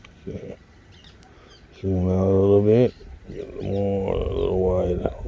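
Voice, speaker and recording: Amid noticeable background noise, a man speaks at a moderate pace in a relaxed tone. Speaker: vlogger filming cats. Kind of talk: casual vlog narration to pets. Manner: relaxed, coaxing.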